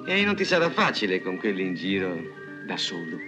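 An actor playing a sly, wheedling drifter in a dubbed 1960s western. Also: male voice, low voice, sing-song, moderate pace. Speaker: wandering drifter and schemer. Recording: film soundtrack with music behind.

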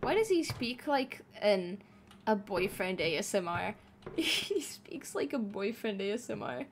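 Slow-talking giggly woman streamer. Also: medium pitch, very animated, slight background noise. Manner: giggly, chatty, swears casually, talks to chat. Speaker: VTuber streamer. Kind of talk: casual live-stream chat while playing a game.

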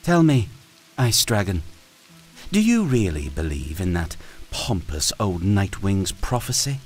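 A cruel sand dragon queen who hisses and sneers at her captives, as a deep-voiced man reads her. She speaks slowly and coldly, pitched up from his low register. Soft music plays faintly behind the storybook reading. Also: sing-song, slightly rough, full character voice. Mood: contemptuous. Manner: hissing, scornful and cold.

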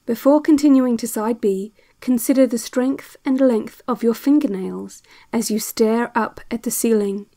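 An actress playing a calm, eerie instructor on a relaxation tape, speaking in a measured, soothing, detached way. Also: female voice, on the high side. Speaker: narrator of instructional cassettes. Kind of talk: scripted guided relaxation narration.

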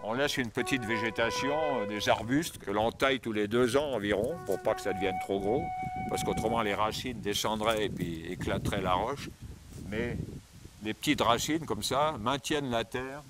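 An older man giving a casual tour of his cave home, talking with many pauses and fillers, recorded on a camera mic as he moves around. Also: lowish voice, loud music behind the voice. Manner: hesitant, many fillers and restarts. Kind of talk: casual spoken house tour. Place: inside stone cave rooms and outdoors by cliffs.

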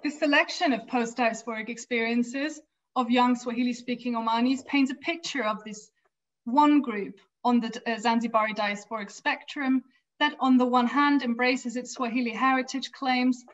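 Woman, academic lecturer, fairly high voice, measured reading, slightly dull video-call sound. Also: steady tone. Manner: measured, reads prepared text with small restarts. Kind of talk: academic lecture read from slides.

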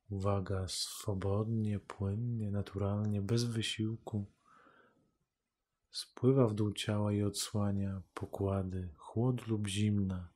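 A man leading a guided meditation as a teacher, calm and unhurried, speaking in measured phrases with long pauses. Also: on the low side, breathy edge.

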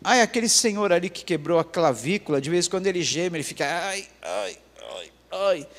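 A middle-aged male pastor telling a dramatic personal testimony in a sermon, dropping into hushed low passages. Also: quick pace. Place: church hall. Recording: long hall reverb.

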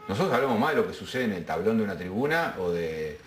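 A man being interviewed at home as a football fan, talking in a measured, reflective way. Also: fairly low pitch, very animated, reverberant, soft background music. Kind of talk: casual interview.

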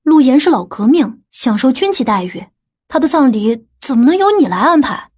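A woman voicing an outspoken, indignant woman of a wealthy family in an audiobook, sharp and challenging. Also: sits high, very animated, moderate pace, breathy edge, heavily acted. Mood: doubtful.

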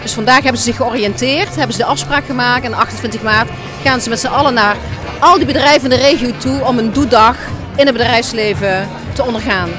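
A woman's voice: a little high, fast, music in the background. A middle-aged woman, explaining an event in an interview. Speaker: event spokesperson. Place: large busy indoor event hall. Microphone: handheld interview microphone.

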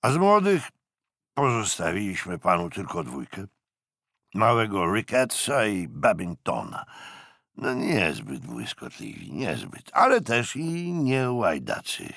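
A man voicing a tipsy veteran navy lieutenant in an audiobook, gossipy and cautious, rambling hesitantly in a gravelly voice. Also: on the low side, wildly swooping pitch, takes it slowly, a bit bright, no echo, studio quality, full character voice. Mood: chatty, appraising. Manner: hesitant, rambling, with trailing interjections.

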